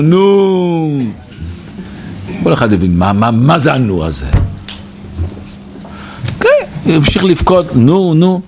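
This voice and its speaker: Brief: male Hasidic storyteller, lively swooping delivery, a bit higher voice, faint noise behind. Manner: animated, repeats phrases, addresses listeners directly. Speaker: Hasidic teacher at a gathering. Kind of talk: storytelling talk at a farbrengen.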